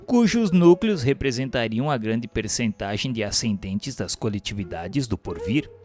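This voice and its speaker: A man delivers a scripted narration with solemn formality. His mid-pitched voice moves expressively up and down through long literary sentences. Music plays behind him. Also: lively intonation, normal speed, darkish tone. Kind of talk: scripted narration of a spiritual history text.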